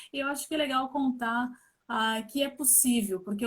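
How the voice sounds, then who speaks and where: Moderate pace and ordinary pitch variation from a woman pitched high. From Brazil, Santos (São Paulo state). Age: 40s. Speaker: immigration lawyer. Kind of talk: live interview. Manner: animated.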